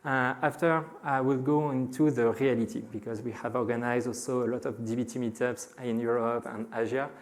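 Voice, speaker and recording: A middle-aged man with a French accent presents at a conference, speaking to the audience in front of him. He hesitates often and fills pauses with drawn-out "uh" sounds as he gathers his thoughts. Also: mid-range voice, steady tone. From France. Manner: frequent hesitations with many "uh" fillers; addresses a live audience. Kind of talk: conference talk.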